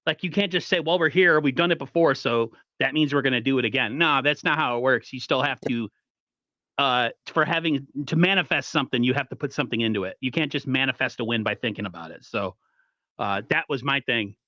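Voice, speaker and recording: A man hosting a casual sports podcast, talking in an animated, rambling way with frequent restarts. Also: mid-range voice, fairly quick, no echo, highs cut off. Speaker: podcast host.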